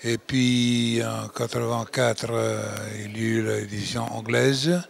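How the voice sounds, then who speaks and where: A man's voice: medium pitch, level tone, slow, vocal fry. An older man from Italy speaking French with an Italian accent, giving a lecture with many fillers and restarts. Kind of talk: closing lecture.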